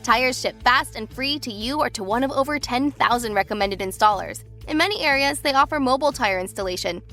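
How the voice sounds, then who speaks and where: A woman's voice: on the high side, a little fast, sharp tone. An American woman reading a scripted commercial as an announcer. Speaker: advert announcer. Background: faint music.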